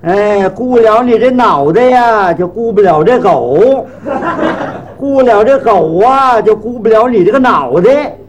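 A man's voice: sits high, expressive, measured pace, highs cut off, crowd noise. A man doing a grumbling, self-pitying street barber. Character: grumbling put-upon male street barber.

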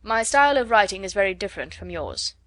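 A woman voicing a proud, reserved gentleman who answers curtly and reasons coolly. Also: mid-range voice, big pitch swings, no room sound. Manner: curt, measured, coolly reasoning.

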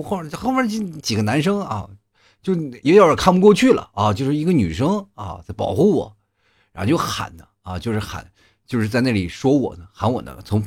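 A young man from Inner Mongolia, hosting a comedy podcast and telling funny school stories in a chatty, animated way, full of asides to listeners. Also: lowish voice, husky, dry recording, studio quality. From Inner Mongolia, China. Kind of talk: comic storytelling monologue.

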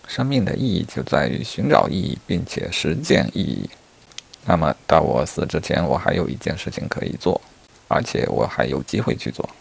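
A man's voice: very deep voice, sing-song, normal speed, creaky, husky, heavily acted. A man telling a story and voicing a talkative male rabbit who reasons earnestly about the meaning of his life before death. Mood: earnest musing.

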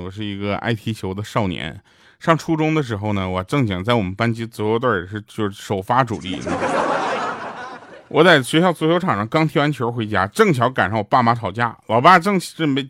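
A man from Northeast China with a Northeastern Mandarin accent, casually telling comic stories. He chats, laughs at his own jokes and gets loud at the punchlines. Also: medium pitch, animated, a little fast, slight background noise.

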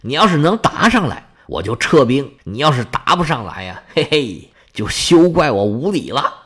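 A man's voice: mid-range voice, very animated, moderate pace, a bit bright, husky. A man voicing a smug royal envoy who delivers veiled threats in a told story. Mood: threatening.

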